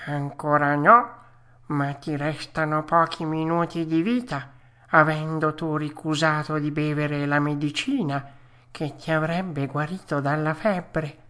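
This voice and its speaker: A solemn storybook rabbit, big, black and ominous, acted out by a woman. It delivers its words gravely and matter-of-factly, with a grumbling temper. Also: deep voice, level tone, slow pace, fairly bright tone. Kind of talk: storybook character voice.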